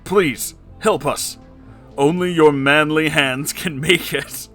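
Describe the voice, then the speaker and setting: A man voicing a frantic young male sidekick in a high, pleading, overwrought tone. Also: wildly swooping pitch, moderate pace, a bit bright, slightly rough, soft background music, full character voice.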